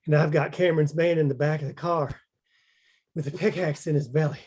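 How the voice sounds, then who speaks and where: A man's voice: fairly high pitch, steady tone, a little fast, a little mellow, breathy edge. A man playing a grim, shaken henchman giving urgent reports in a screenplay table read. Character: grim, shaken male henchman reporting bloodshed to his boss.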